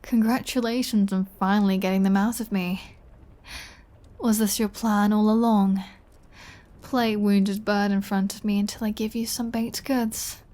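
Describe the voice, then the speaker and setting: Female vampire for audio roleplay, acted by a woman: unhurried delivery, mid-pitched, flirty, snarky and defiant. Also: fairly even intonation, dark tone, lightly acted. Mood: teasing, tender. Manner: sarcastic, teasing, playful. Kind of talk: scripted ASMR audio roleplay.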